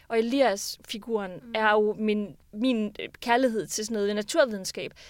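Here a woman speaks in a plain, everyday voice, fairly high in pitch with ordinary pitch variation. The recording is very clean, with a silent background. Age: 40s. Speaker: author. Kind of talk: interview.

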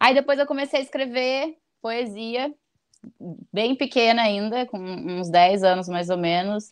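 An ordinary speaking voice from a woman, fairly high in pitch, fairly slow, with lively intonation over a quiet background. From Rio Grande do Sul, Brazil (Barra do Ribeiro). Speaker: rapper. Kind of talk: casual interview.

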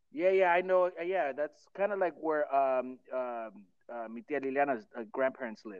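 A man with an unremarkable speaking voice talks at a moderate pace, his fairly high pitch moving in lively intonation. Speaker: podcast host. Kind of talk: casual chat. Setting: phone call.

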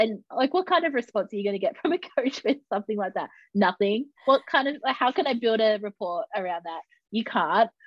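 Speaking at a fairly quick clip, a woman with an Australian accent uses a fairly high voice that swings very widely in pitch. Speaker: podcast co-host, sports media co-founder. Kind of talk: casual chat. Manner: animated.

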